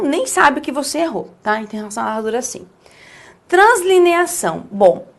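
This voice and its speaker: Speaking in a high-pitched voice, a Brazilian Portuguese-accented woman walks through how to write essays. She emphasizes key terms by saying them slowly and keeps checking in with whoever is listening.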